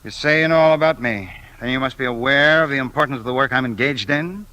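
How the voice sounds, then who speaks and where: A man's voice: medium pitch, fast, sharp tone, muffled recording, lightly acted. A man playing a pompous, suspicious politician in a 1950s radio play, talking in a lawyerly, insistent way. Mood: stern. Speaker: the Investigator.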